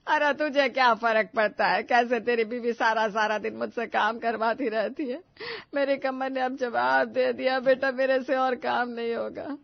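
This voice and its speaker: A woman voicing a dramatic, complaining elderly mother-in-law in an animated story, wailing and melodramatic. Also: on the high side, normal speed, vocal fry, dry recording, muffled recording.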